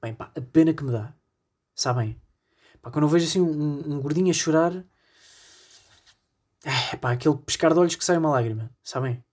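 A man's voice: on the high side, a little fast, pauses often, a little mellow. A man with a European Portuguese accent hosting a solo comedy podcast, rambling in a self-deprecating way with constant fillers. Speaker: podcast host.

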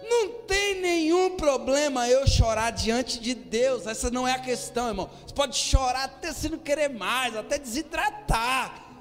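A man preaching a sermon as a pastor to his congregation, sometimes rising to a shout. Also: extremely high pitch, moderate pace. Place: church hall. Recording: long hall reverb, faint music.

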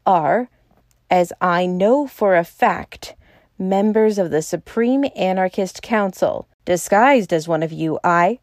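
A woman's voice: lowish voice, takes it slowly, darkish tone, dry recording, studio quality. A woman reading aloud and voicing a stiff, formal male detective.

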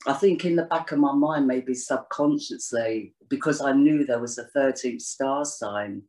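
A woman's voice: rumbling low, unhurried, warm tone. A woman guest in a casual interview, talking at length in a rambling way with lots of "you know"s and restarts. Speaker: astrologer guest.

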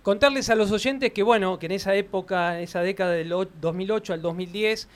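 High, smooth-voiced Rioplatense radio host. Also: male voice, a little fast. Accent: Rioplatense Spanish. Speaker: radio sports show host. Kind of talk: radio interview.

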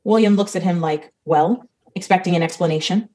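A woman's voice: fairly low pitch, fairly quick, darkish tone, poor audio. A woman reading the stage directions of a comedy script, matter-of-fact.

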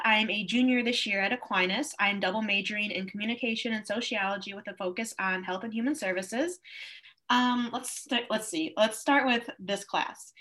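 A woman's voice: on the high side, sharp tone. A woman of twenty-one, a college student, talking as an interview guest in an earnest, upbeat way. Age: 20s. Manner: earnest, upbeat, with frequent fillers. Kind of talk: casual interview conversation.

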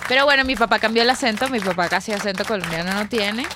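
Venezuelan woman, podcast guest, easygoing conversational delivery, mid-pitched voice. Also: quick pace, noisy background. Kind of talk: casual podcast chat.

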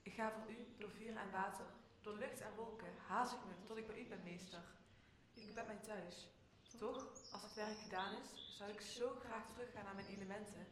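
A woman's voice: medium pitch, steady tone, moderate pace, close to an everyday voice. A young woman playing a loyal, fervent elemental spirit in a Dutch radio play, speaking reverently to a master. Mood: devoted, wistful. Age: young adult. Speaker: drama student actor. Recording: echoey room with faint noise.

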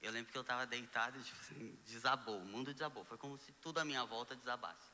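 A young Brazilian man, a guest telling his story in a casual conversation, animated and acting out the dialogue he quotes. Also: mid-range voice, quick pace, big-room sound, a little hiss or hum. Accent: Brazilian Portuguese. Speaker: guest sharing testimony.

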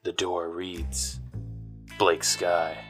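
An actor playing a weary hard-boiled private detective in a noir audio drama, brooding and sardonic. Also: male voice, low voice, completely flat delivery, extremely slow, fairly bright tone, soft background music, heavily acted. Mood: grim, brooding. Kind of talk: noir radio drama acting.

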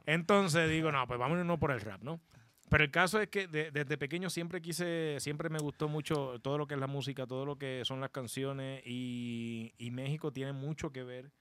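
A young man, a podcast guest telling his story in a relaxed way, with many fillers and repeats. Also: mid-range voice, moderate pace, smooth. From Dominican Republic. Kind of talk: casual storytelling chat.

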